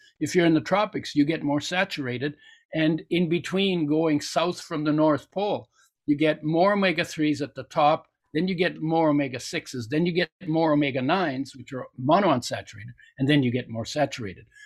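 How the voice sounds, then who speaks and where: Delivered at a fairly quick pace with a German accent and ordinary pitch variation, the voice comes through on a very clean recording with a silent background. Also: man, fairly high pitch for a man. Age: 70s. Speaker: nutrition expert on dietary fats. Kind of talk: interview.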